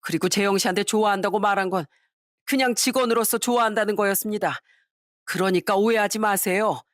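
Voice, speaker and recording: A woman's voice: medium pitch, brisk, no room sound, studio quality, lightly acted. A woman voicing a pushy older male office boss who wheedles and makes excuses. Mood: pleading.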